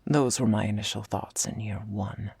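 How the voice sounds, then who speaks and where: A woman voicing a tough but secretly tender female half-orc commander in a slow, confessional ASMR role-play, with a husky, gravelly, breathy voice. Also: rumbling low, steady tone, no room sound, heavily acted. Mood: earnest, confiding. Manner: slow confessional delivery, often dropping in a soft voice.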